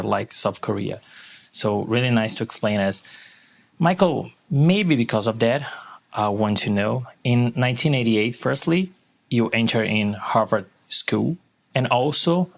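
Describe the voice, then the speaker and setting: A podcast host, a man whose first language is Portuguese, asking questions in English. His voice has a gravelly edge and his phrasing is plainly non-native, earnest and curious. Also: medium pitch. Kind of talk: interview questions.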